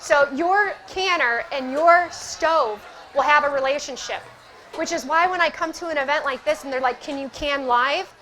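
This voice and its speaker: With an American accent, a woman speaks in a high, raised and projected voice, animated and fairly quick, with ordinary pitch variation over noticeable background noise. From Upper Peninsula of Michigan. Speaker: canning instructor. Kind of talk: live demonstration. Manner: loud.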